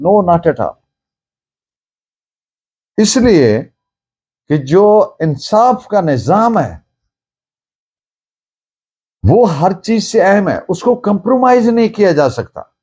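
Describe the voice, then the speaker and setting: Casting: man with Pakistani accent as a didactic lecturer, soft-edged voice, very varied intonation, emphatic delivery. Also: high-pitched, very animated, husky. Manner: deliberate, emphatic, didactic, mixing in English phrases. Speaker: law lecturer. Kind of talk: lecture on evidence law, dictating citations.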